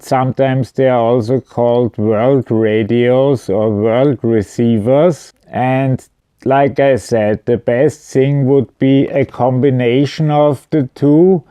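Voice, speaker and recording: A man's voice: medium pitch, mellow, clean tone, no room sound. A man giving an informal product explanation at home, speaking in a hesitant, matter-of-fact way. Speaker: video presenter. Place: indoors at home.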